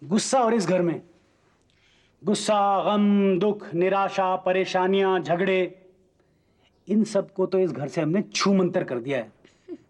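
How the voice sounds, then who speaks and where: A man's voice: sits high, slow pace, pauses often, a little mellow. An actor in a TV serial playing a doting, teasing father with a wistful side. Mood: playful reassurance. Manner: teasing, theatrical, mock-formal with the child. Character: playful, doting father of a young child, secretly wistful. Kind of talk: Hindi TV serial drama acting.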